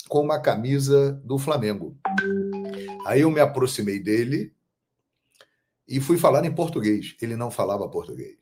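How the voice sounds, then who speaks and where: A man from Brazil hosting a football channel, telling stories in a measured, emphatic monologue. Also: medium pitch, darkish tone. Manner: measured, storytelling, emphatic on key phrases. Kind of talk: casual monologue to camera.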